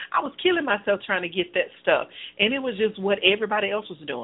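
A woman's medium-pitched voice at a fairly quick pace, with very wide pitch swings. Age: 40s. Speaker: internet radio talk show host. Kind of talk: casual talk show discussion with callers. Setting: phone-in internet radio.

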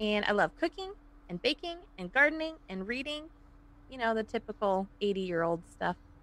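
Animated in tone, a woman with a slight Chicago accent speaks at a moderate pace in a fairly high pitch with very wide pitch swings. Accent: Chicago area Midwestern, slight. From northwest suburbs of Chicago. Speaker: business owner and eco-friendly cleaning service host. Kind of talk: casual interview chat. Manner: animated, laughs often.

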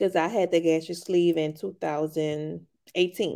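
On a very clean recording with a silent background, a woman with a New Orleans accent speaks in a dark, mellow tone. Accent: Southern US, New Orleans. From New Orleans, US South. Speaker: nurse practitioner and women's health business owner. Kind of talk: casual interview chat.

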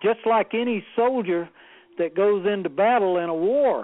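With an American accent, a man speaks in a high pitch. His pace is fairly slow and his intonation lively. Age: 70s. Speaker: retired firefighter and hay farmer. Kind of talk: casual interview. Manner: plain-spoken.

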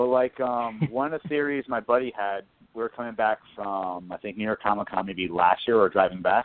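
A man at a fairly quick pace in a plain, everyday voice, fairly low in pitch with ordinary pitch variation. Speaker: caller and cosplayer. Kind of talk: casual chat. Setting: phone call.

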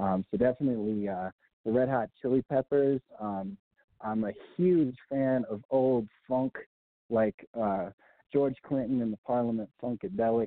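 In an American accent, a man uses an ordinary speaking voice at a fairly slow pace, with medium pitch and ordinary pitch variation. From Michigan (Saginaw/Bay City). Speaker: musician. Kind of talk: casual interview.

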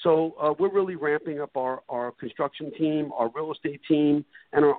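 Here a man speaks with a slight Brooklyn accent. His pitch is fairly high and his pace fairly quick. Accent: slight Brooklyn New York. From Brooklyn, New York. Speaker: franchise company CEO. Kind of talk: interview.

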